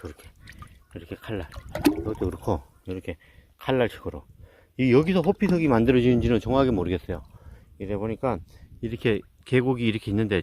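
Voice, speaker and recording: A man's voice: mid-range voice, mellow, a little hiss or hum. A middle-aged man talking casually outdoors in a mountain stream, muttering and repeating words as he looks at rocks. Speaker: rock-hunting vlogger.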